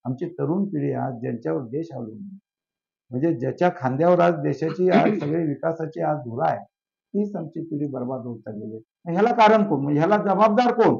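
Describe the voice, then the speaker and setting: A man's voice: fairly high pitch, animated, brisk, creaky, a little mellow. A man, a social worker, speaking in an impassioned interview, asking rhetorical questions and piling up long lists. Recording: dull lo-fi sound.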